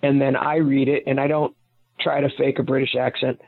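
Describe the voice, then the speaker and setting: A man's voice: mid-range voice, flat delivery, a little fast. A man who is a guest author, explaining at length in a rambling way with many restarts, heard over a phone line. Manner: rambling, self-correcting explanations. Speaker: guest author and private investigator. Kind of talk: phone-in interview.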